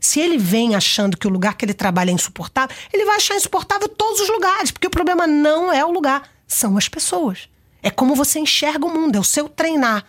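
A middle-aged Brazilian woman with a Brazilian accent appears as a guest on a talk show, telling stories in an animated, expressive way during a casual conversational interview. Her voice sits high and moves fast, picked up by a studio microphone.

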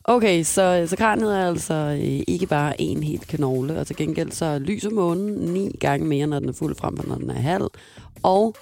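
Gravelly, teasing male radio host. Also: a little high. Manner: teasing, animated. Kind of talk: casual radio chat.

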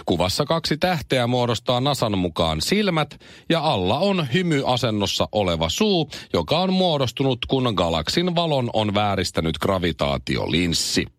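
A middle-aged man hosting a morning radio show, reading news and telling stories with animated deadpan humor. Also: mid-range voice, no room sound, studio quality. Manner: animated storytelling, deadpan jokes.

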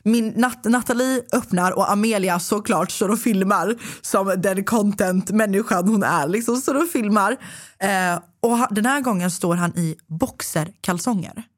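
A young woman hosts a podcast and tells a long story in lively, casual chat. She swears freely and acts out the other people's lines as she goes. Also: medium pitch. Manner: animated, swearing, acts out dialogue. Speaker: podcast host.

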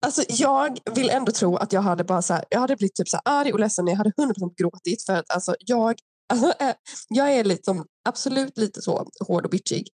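A young woman chatting casually as a podcast host, talking through a reality show with animated asides. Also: mid-range voice, no echo, clean studio sound.

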